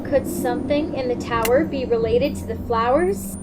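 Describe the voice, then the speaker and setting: Woman doing a curious lady detective for a fairy tale game, high voice, thinking out loud, noisy mic. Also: normal speed, close to an everyday voice. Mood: pondering. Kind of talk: hobby fandub game narration. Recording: clearly noisy home recording.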